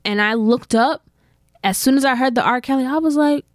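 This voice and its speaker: A woman co-hosts a podcast, retelling gossip in a chatty, meandering style packed with fillers and drawn-out storytelling. Her voice is on the high side and steady, recorded dry at studio quality.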